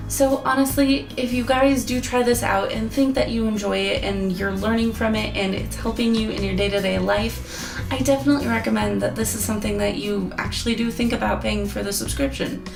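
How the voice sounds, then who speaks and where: Young woman vlogger, hoarse and gravelly, earnest chatty review over guitar backing. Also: on the high side, fairly even intonation, fairly quick. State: losing her voice. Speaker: app reviewer. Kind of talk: casual review vlog. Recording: echoey room with guitar music.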